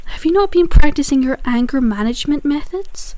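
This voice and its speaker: A woman's voice: high-pitched, expressive, a little fast, a little hiss or hum. A woman playing a polite, formal asylum nurse who is kind but firm, in an ASMR audio drama. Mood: stern. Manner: formal, courteous, gently euphemistic. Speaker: nurse guiding a patient.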